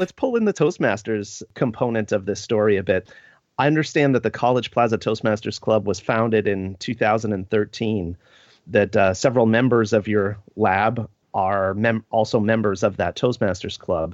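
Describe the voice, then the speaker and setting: An ordinary speaking voice from a man, fairly low in pitch with ordinary pitch variation, very even loudness and a moderate pace, dry, close sound with no echo against a quiet background. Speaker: podcast host. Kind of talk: casual interview.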